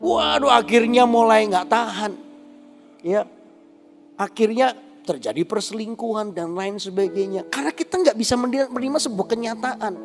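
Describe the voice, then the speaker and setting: A man preaching a sermon as pastor, in a humorous, animated storytelling way full of asides. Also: high voice, normal speed, gravelly, in a large hall, soft background music.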